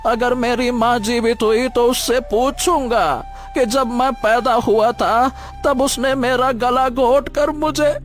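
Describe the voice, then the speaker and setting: A high-voiced, troubled old beggar. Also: male voice, fairly even intonation, takes it slowly, hardly any pauses, soft background music. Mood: bitter. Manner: pleading, hesitant, anguished. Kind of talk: cartoon story voice acting.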